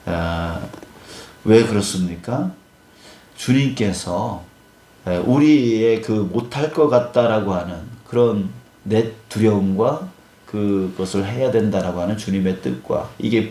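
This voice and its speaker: Male pastor, fairly low voice, chatty early-morning sermon with lots of filler affirmations, roomy church sound. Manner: conversational preaching, frequent affirming "yes" fillers; acts out scripture dialogue in lively voices. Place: church sanctuary.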